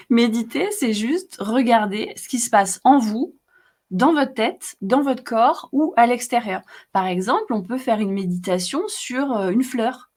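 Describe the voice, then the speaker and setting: A woman hosting a live stream, explaining emotions in a chatty way with many fillers and repetitions. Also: fairly high pitch. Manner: warm, chatty, frequent fillers and repetitions, laughs often. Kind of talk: casual live teaching, reading comments.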